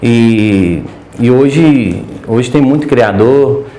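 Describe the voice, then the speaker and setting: A man's voice: mid-range voice, drawn-out words, dark tone, reverberant. A man with a Minas Gerais accent, a podcast guest who breeds homing pigeons, talking hesitantly with many restarts. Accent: Minas Gerais Portuguese. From Brazil. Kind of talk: casual interview chat.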